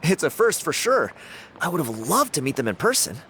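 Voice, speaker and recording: A cocky young tribal dancer. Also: male voice, on the high side, big pitch swings, a little fast, a little hiss or hum. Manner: easygoing, boastful, chatty. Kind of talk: video game voice acting. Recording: game audio with loud music underneath.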